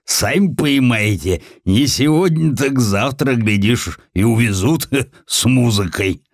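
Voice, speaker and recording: Elderly male dignitary, put on by a narrator, halting, awkward, raised wavering pitch, audiobook character. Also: lively intonation, creaky, no room sound, clean studio sound. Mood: halting, coaxing. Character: elderly dignitary awkwardly hurrying an editor before death.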